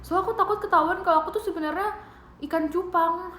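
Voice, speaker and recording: A young woman with an Indonesian accent, chatting playfully and with lots of giggles as she hosts a home livestream. Her voice sits high and bright. The room adds a roomy echo. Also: steady tone, fast, slight background noise. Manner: playful, giggly, reads out viewer gifts. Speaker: idol livestream host. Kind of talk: casual livestream chat to viewers. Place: bedroom at home.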